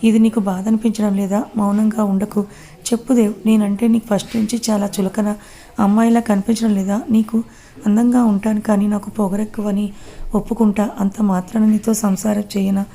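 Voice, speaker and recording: A woman's voice: medium pitch, little pitch movement, a little fast, dark tone, lightly acted. A woman voicing a proud, reckless young woman, insistent and pleading.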